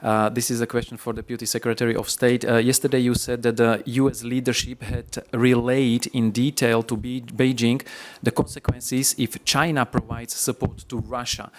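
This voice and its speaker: Flat-toned man with a Slovak accent. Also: medium pitch. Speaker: press conference moderator. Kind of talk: moderating and reading out a question.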